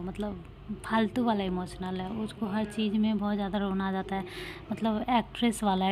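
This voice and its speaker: A woman's voice: mid-range voice, a little mellow, a little hiss or hum. A woman in her thirties, a mother chatting casually in a daily home vlog, rambling with lots of fillers. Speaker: vlogger, mother.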